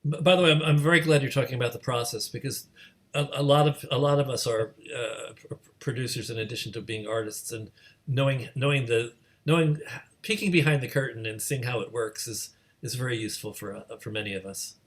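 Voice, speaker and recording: A man's voice: mid-range voice, brisk. A man hosting a casual interview, hesitant and stammering as he repeats the starts of words while forming his questions. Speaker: host, moderator.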